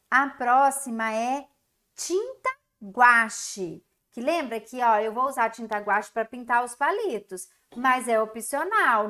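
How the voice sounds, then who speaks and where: A woman's voice: a little high, a bit bright. A Brazilian woman teaching young children in a recorded class, stretching out syllables in a sing-song, encouraging way. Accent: Brazilian Portuguese. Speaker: primary school teacher.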